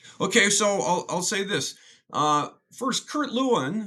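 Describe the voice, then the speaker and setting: Bright and sharp in tone, a man's voice swings very widely in pitch as he speaks fairly slowly. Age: 60s. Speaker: organizational development consultant and author. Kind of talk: interview. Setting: video call. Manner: halting.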